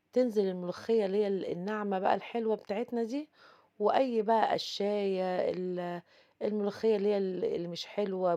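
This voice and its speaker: Egyptian woman cooking host, quick and chatty, low mellow voice, dull lo-fi sound. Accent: Egyptian Arabic. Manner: chatty, addresses viewers directly, frequent fillers. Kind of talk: casual cooking tutorial.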